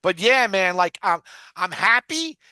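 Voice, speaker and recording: A man's voice: high voice, big pitch swings, a little slow, bright, forceful tone, no room sound, studio quality. A man hosting a casual podcast, talking in loose, profane rambles full of fillers. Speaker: podcast host. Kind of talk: casual rewatch podcast chat.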